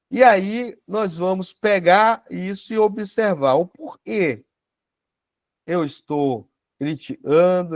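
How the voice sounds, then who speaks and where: A man's voice: on the high side, no room sound, studio quality. A man with a Brazilian Portuguese accent teaching a self-knowledge class in a conversational way, often adding tag questions and acting out little dialogues.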